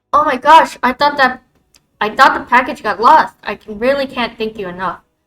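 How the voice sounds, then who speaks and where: A woman's high, breathy, bubbly put-on character voice at a moderate pace, with big swings in loudness. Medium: game stream. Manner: friendly, bubbly.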